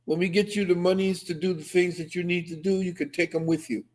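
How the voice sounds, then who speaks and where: Speaking fast in a high, steady, somewhat mellow voice, the co-host is an older Trinidad-raised man. He spins stories and lectures forcefully and with conviction during a casual video call, captured through his webcam.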